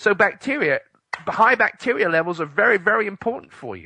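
Raised and projected, a man's bright, sharp voice moves at a fairly quick pace with lively intonation and a dry, close sound with no echo. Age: 50s. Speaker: radio host and fitness instructor. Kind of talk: talk radio monologue.

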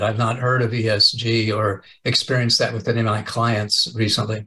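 This man talks with an American accent at medium pitch. His tone is bright and sharp. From US Midwest (Wichita, Kansas). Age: 70s. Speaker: business coach and author. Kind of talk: radio interview.

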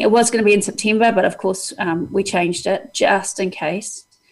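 Monotone and flat in intonation, the speaker talks at a moderate pace in a New Zealand accent. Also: woman. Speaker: hypnotherapist and community organizer. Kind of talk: casual interview chat.

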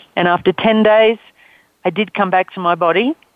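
An Australian accent with ordinary pitch variation. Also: woman. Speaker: former athlete and author. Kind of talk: radio interview.

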